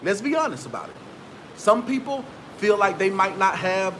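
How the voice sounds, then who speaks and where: A man's voice: sits high, animated, moderate pace, fairly bright tone, slight background noise. A man, giving motivational business advice straight to his viewers in a preachy, repetitive way. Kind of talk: motivational talk to camera.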